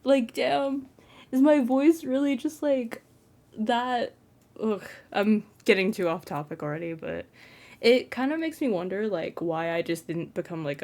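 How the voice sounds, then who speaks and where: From his bedroom late at night, a young trans man posts a casual vlog, rambling self-consciously and saying "like" again and again as a content creator. The voice is high-pitched, fairly flat and sounds feminine.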